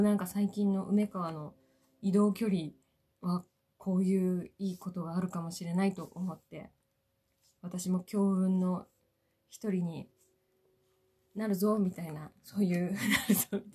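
Breathy woman hosting a solo podcast. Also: fairly low pitch, dark tone. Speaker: podcast host, actress. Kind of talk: solo podcast, casual polite chat to listeners. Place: small quiet hotel room. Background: faint classical Ave Maria music.

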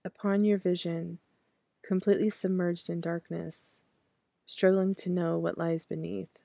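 A woman in her thirties, raspy from clearing her throat, reading her own poems slowly and then talking about them hesitantly with many fillers and restarts. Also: on the low side, flat delivery, dark tone, no room sound. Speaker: podcast host reciting her poems. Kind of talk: poetry reading and casual reflection.

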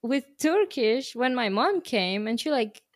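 A woman's voice: a little high, big pitch swings, a little slow, no echo, studio quality. Chatty woman laughing through her stories. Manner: chatty, laughs often, many fillers. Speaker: interview guest. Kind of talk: casual conversation.

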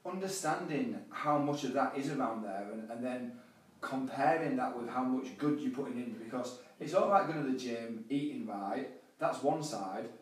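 A man, a life and business coach, speaking earnestly as a guest in an interview, often repeating words as he restarts. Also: mid-range voice. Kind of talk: podcast interview. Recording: echoey room, mic far off.

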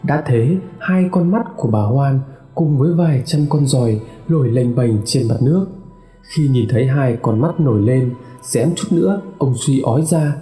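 Male horror storyteller, mellow dark tone, echoey room with long reverb and faint music. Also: mid-range voice, normal speed. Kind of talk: scripted horror narration.

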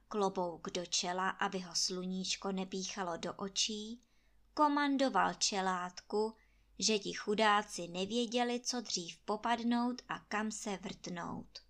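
A woman storyteller reading a fairy tale aloud in a lively, expressive way. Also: medium pitch.

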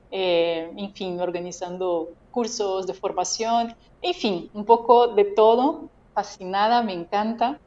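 Expressive Brazilian-accented woman. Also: medium pitch, muffled recording, slight background noise. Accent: Brazilian Portuguese. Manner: expressive, emotive, laughs often. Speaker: consecrated laywoman, podcast guest. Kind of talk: casual podcast interview.

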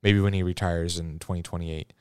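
A man's voice: low voice, steady tone, fairly quick, darkish tone, smooth, no room sound, studio quality. A man co-hosting a casual sports podcast, rambling and incredulous, often trailing off mid-thought. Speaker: podcast co-host.

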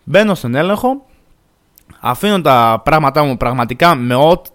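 A young man in his twenties from Greece, telling a funny story casually as a podcast host and acting out the quotes with sudden jumps in pitch. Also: expressive, fairly bright tone.

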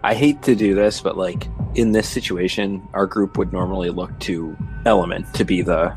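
Male game player, very deep register, conversational, tentative phrasing, music clearly playing underneath. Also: fairly even intonation, normal speed. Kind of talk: casual in-character roleplay and table talk. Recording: loud music bed behind the voice.

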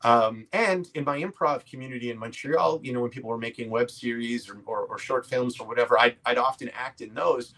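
A man chats casually as an interview guest, a comedy writer and actor talking through his past work. His voice sits at an ordinary middle pitch for a man. He rambles loosely, leaning on "like" and "you know" as he goes. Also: a little fast, hardly any pauses, a bit bright, rough recording.

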